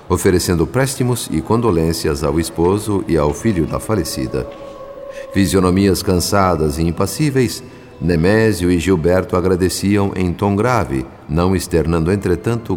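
An actor playing an earnest, reflective spirit narrator with a Brazilian accent, telling a radio drama in solemn, literary style. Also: male voice, sits low, moderate pace, a little mellow, in a large hall, soft background music, close to an everyday voice.

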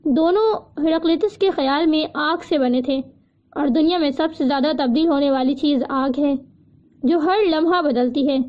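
An eager, determined young woman voiced by the woman narrator talks in an urgent, insistent way. Her voice is high, and the audiobook recording sounds dull and lo-fi. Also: natural voice.

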